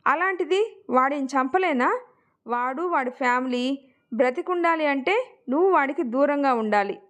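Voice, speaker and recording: A woman voicing an unseen man who makes slow, cold threats over the phone in a family storytelling narration. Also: sits high, animated, fairly bright tone. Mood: menacing.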